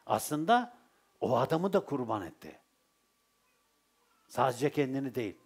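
A Sufi teacher with a Turkish accent gives a religious talk, telling stories in a lively way and posing rhetorical questions to his listeners. His mid-range voice is slightly rough, and he keeps a measured pace.

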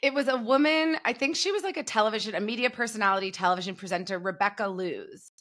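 A woman's voice: mid-range voice, fast, fairly bright tone. A young woman as a podcast guest on a video call from home, chatty and gossipy about pop culture. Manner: chatty, gossipy, laughs easily. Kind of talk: casual pop culture chat. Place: home room. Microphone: video call with earbuds.

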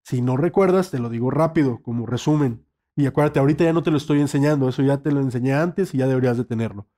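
A man leads an online saxophone lesson. His voice sits a little high, and he speaks patiently, checking in often with the student. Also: mellow. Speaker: saxophone teacher.

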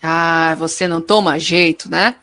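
Woman as casual Brazilian teen sidekick, audio drama. Lowish, teasing, slight noise. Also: fairly even intonation, a little slow, a bit bright. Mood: teasing, skeptical. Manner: casual, mocking. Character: teasing, sensible teenage friend of a young prince. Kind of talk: comedic audio drama acting.

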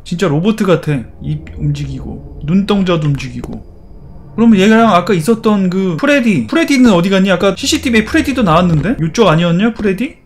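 A man's voice: high-pitched, animated, brisk, slight background noise. A man playing a horror game and commenting, teasing the characters in playful chatter. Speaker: gaming YouTuber.

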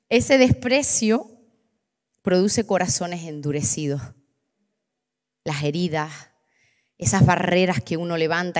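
A woman, preaching and giving her testimony, impassioned, slowing down on key words for emphasis. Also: on the low side. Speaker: preacher leading a church workshop. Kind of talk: sermon with personal testimony. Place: church hall. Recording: long reverberant church hall.

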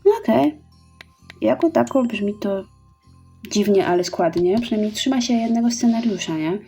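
A woman's voice: mid-range voice, moderate pace, mellow, soft background music. A woman giving casual let's-play commentary, chatty, reading orders aloud and counting out her steps. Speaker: gaming YouTuber.

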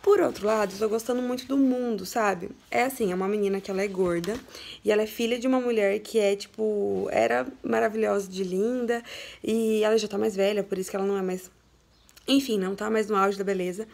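Young woman from Brazil, casual vlog host, chatty and emotional, gravelly fry, recorded at home. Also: mid-range voice, steady tone, brisk, darkish tone. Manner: chatty, emotional, laughs and cries with joy. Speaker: book vlogger. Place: home, her bedroom.

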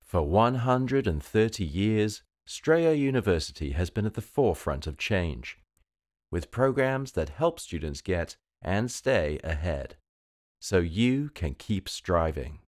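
A British man with a low voice reads polished advertising copy. His phrasing is measured and deliberate, with a lively rise and fall in intonation, as a professional voice-over artist.

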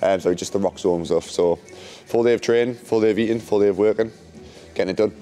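A man's voice: on the low side, fast talker, dark tone, soft background music. A man in his twenties coaching group fitness like a barking gym coach, calling out instructions. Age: 20s. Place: large hard-floored indoor gym.

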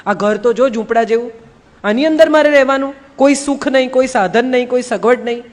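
A tearful young bride pleads and complains, spoken by a woman telling a story. The voice sits high and echoes through a large hall. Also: brisk, lightly acted. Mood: complaining. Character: weeping young bride, poor bride of a saint.

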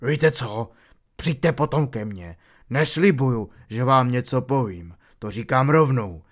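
A man voicing a huge, gruff gamekeeper who speaks slowly and evasively, keeping things secret. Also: mid-range voice, expressive, close to an everyday voice. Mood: hushed. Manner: slow, hushed, evasive.

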